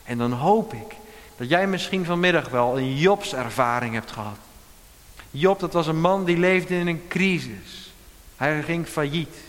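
Male pastor, fairly high voice, preaching with emphatic pauses; long church-hall reverb. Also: animated. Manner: emphatic, with dramatic pauses and quoted lines. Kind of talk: sermon.

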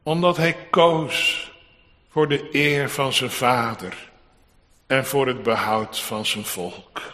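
A man's voice: mid-range voice, slow, bright, forceful tone. A man preaching a solemn sermon to his congregation, asking rhetorical questions and building to emphatic peaks. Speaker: pastor. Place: church. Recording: church hall reverb.

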